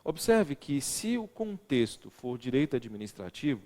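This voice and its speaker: A man teaches a legal writing class in a recorded lecture, with a voice of ordinary middle pitch. He leans hard on words and keeps asking his students questions. His voice rings with a long reverb, as in a hall. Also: moderate pace. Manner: expressive, stresses words, asks the class questions.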